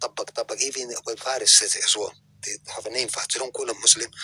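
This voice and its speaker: A man with an Arabic accent talks at a very fast pace in a dry, close sound with no echo. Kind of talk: casual chat.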